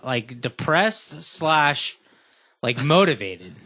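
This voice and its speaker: Young man, podcast co-host, crude casual banter, animated pitch, slightly high voice. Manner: crude, swearing, drawn-out laid-back talk.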